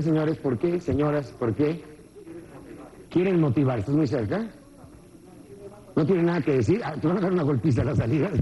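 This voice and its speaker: A man giving a live personal development seminar, joking and constantly quizzing the audience in an animated way. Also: on the high side, poor audio. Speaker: motivational seminar speaker.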